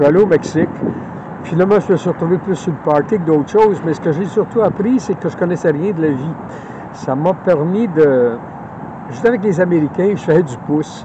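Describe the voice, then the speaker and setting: A man with a Quebec accent talks at a high pitch and a fairly quick pace, with ordinary pitch variation and long, frequent pauses. Noticeable background noise runs behind him. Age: 70s. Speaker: filmmaker. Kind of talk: interview. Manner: casual, with frequent hesitations and repetitions.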